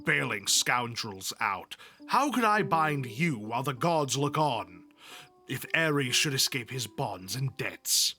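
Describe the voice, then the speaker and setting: Man playing an aggrieved god, loud and bright. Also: medium pitch, sing-song, slow, soft background music, heavily acted. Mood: disgusted. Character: Hephaestus, aggrieved lame god, self-pitying and furious. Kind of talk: dramatic storybook reading.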